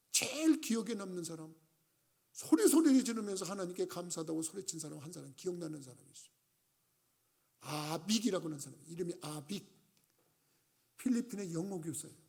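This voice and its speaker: An older man, a senior pastor, preaching a sermon with animated storytelling and acted-out shouts. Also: sits high.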